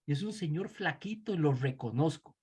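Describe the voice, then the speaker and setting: A middle-aged Costa Rican man teaches theology in a conversational lecture that includes a personal anecdote, peppered with fillers and "¿verdad?" tags. His voice is fairly high and darkish with a breathy edge, delivered at a moderate pace with lively intonation.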